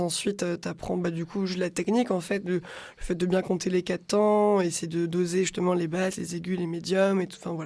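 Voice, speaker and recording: A woman's fairly low voice, monotone with flat intonation. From Brittany, France. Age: 20s. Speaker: DJ. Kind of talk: podcast interview. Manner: hesitant, many fillers.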